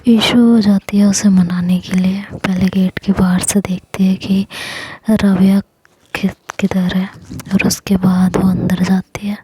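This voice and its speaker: A woman narrating a love story in a soft, whispered voice, as an audio storyteller. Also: medium pitch, little pitch movement, breathy edge, no room sound. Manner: soft half-whisper, unhurried.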